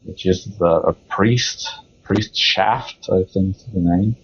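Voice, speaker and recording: A man on a podcast panel explaining something casually and a little haltingly, on dated lo-fi audio. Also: low-pitched, husky. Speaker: podcast panelist discussing video games. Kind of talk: casual chat.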